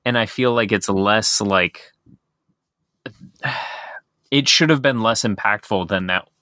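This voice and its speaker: Podcast co-host, low male voice, forceful tone, dry close sound, rambling chat. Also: slow pace, dry recording. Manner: rambling, heavy on filler words. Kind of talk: casual chat.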